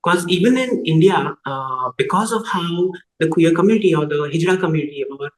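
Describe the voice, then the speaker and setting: A young trans woman raised in Dubai tells her personal story as a TV interview guest, speaking reflectively with frequent pauses and restarts. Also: lowish voice, lively intonation, reverberant, low-quality recording. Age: young adult. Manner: reflective, thoughtful, often pauses and restarts, many "like" and "you know". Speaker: guest, trans writer and content creator.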